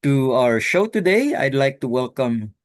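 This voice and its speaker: A man hosting an interview. He talks in a measured, hesitant way and ends his questions with a tag. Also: mid-range voice, very animated, no echo, studio quality. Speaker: talk show host.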